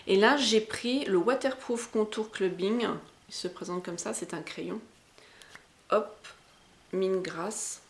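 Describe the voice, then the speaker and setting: A woman with a Berrichon accent chats through a makeup haul, talking to her viewers directly. She is talkative and enthusiastic and uses a lot of slang, at a voice height typical for a woman. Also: mid-range voice. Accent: Berrichon French. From Berry, France. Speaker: beauty vlogger.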